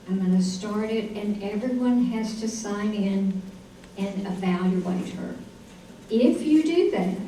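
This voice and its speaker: Woman host, announcements, upbeat chatty manner, mellow voice, distant mic, echoey room. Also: mid-range voice, slight background noise. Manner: upbeat and chatty, addresses the audience directly. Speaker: event organizer introducing the speaker. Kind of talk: welcoming announcements.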